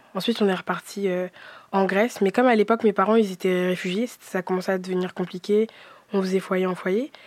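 A woman talks fairly quickly, her medium-pitched voice keeping fairly even intonation. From grew up moving between Switzerland, Greece, Réunion and western France. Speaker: singer and rapper. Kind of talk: casual interview. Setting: studio.

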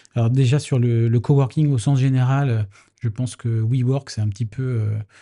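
A man's dark, mellow, somewhat breathy voice with fairly even intonation. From Paris suburbs, France. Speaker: commercial real estate executive. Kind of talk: interview. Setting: guest's office.

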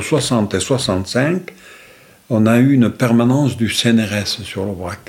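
Through noticeable background noise, a man can be heard at medium pitch with ordinary pitch variation. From Aubrac plateau, Aveyron, southern France. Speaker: livestock farmer and retired regional politician. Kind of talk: interview. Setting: at his home. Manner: halting with repetitions.

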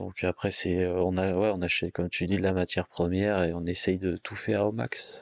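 A man speaks with a very deep, low pitch at a moderate pace, hardly pausing at all. His intonation is flat and monotone, and the sound is dry and close with no echo. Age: 30s. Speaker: motorcycle customizer and painter. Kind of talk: casual interview. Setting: guest's workshop. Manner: casual, hesitant.

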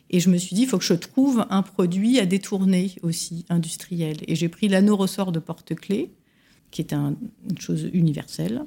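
A woman with a medium pitch and a dark, mellow tone speaks at a moderate pace. Her voice is somewhat breathy, with ordinary pitch variation. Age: 50s. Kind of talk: interview. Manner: halting, frequent repetitions.

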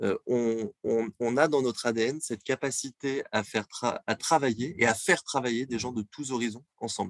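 Heard in a dry, close sound with no echo, a man with a plain, everyday voice talks at a moderate pace and medium pitch. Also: ordinary pitch variation. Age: 30s. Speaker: social entrepreneur. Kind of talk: interview.

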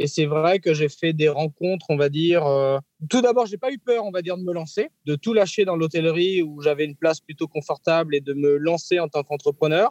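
With a fairly high pitch and ordinary pitch variation, a man talks at a fairly quick pace with hardly any pauses. The sound is dry and close, with no echo. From France, Vendée (Saint-Jean-de-Monts). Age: 40s. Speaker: company founder. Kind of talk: interview. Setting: video call from his car. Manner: hesitant, many repetitions.

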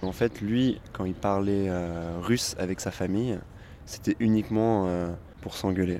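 In a normal speaking voice, a man talks at a fairly slow pace with a fairly low pitch and fairly even intonation. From France, Russian father. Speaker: interviewee. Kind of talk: personal testimony.

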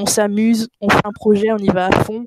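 A woman speaks at a fairly quick pace with a medium pitch, recorded with a dry, close sound and no echo. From western France (Maine-et-Loire). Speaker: web developer, former archaeologist. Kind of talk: interview, casual. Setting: office.

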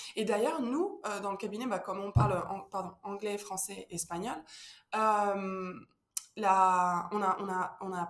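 Here a woman is speaking. She goes at a very slow pace. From Spain, Valencia region. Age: 30s. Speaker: physiotherapist. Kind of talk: casual interview.

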